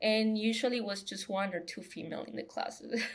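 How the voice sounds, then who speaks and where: A woman with a Colombian accent speaks at a moderate pace on a very clean recording with a silent background. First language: Spanish. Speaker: biomedical technician and YouTuber. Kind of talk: interview conversation.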